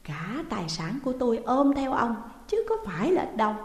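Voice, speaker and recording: A woman voicing a shrill, domineering middle-aged woman who screeches accusations, with a roomy echo and long reverb. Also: very animated, a little fast. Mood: lowered, anxious.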